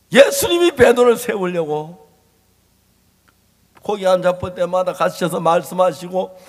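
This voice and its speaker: Male pastor, very high voice, emphatic repetitive preaching, long hall reverb. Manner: emphatic, repetitive, swinging from loud to hushed. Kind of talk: impassioned sermon.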